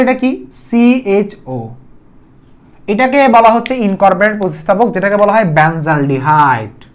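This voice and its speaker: A man with a Bangladeshi Bengali accent giving a chemistry video lecture, repeating key terms and quizzing the viewer with questions. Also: sits high. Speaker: chemistry teacher.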